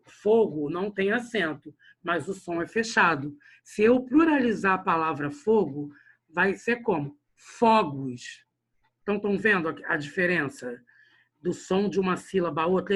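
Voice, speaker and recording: A man's voice: sits high, fairly bright tone, breathy edge. A man teaching a literature lesson online, addressing the class directly and often checking in with short tag questions. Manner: tags sentences with "né?" and "olha só", addresses the class directly.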